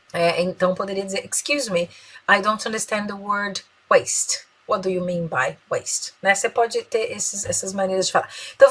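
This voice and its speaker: A Brazilian woman, a native Portuguese speaker, teaching business English, explaining in Portuguese and slowly modeling English phrases. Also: mid-range voice, a bit bright, poor audio. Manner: tags sentences with "né?". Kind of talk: bilingual English lesson.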